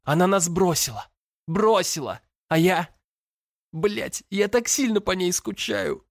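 A man's voice: mid-range voice, normal speed, no echo, clean studio sound, pitched above the performer's own voice, lightly acted. A man voicing a despairing teenage boy who talks through tears in a cracking voice. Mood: despairing sobbing. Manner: broken, tearful pleading.

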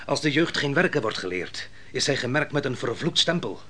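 A proud, declamatory biblical warlord. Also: male voice, mid-range voice, animated, brisk, pushed and bright. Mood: grave, scornful. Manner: declamatory, grandiloquent. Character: proud, ruthless biblical army commander, fresh from bloody victory. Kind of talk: theatrical radio drama monologue and dialogue.

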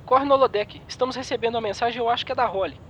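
Woman playing a hurried, fast-talking spaceship crewmate. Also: on the high side, slight background noise, close to an everyday voice. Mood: urgent. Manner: urgent, hurried.

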